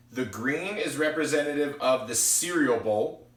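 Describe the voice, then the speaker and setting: In a Philadelphia accent, the speaker has an animated tone and ordinary pitch variation at a fairly slow pace, with audible room echo and noticeable background noise. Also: man. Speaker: teacher. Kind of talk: tutorial.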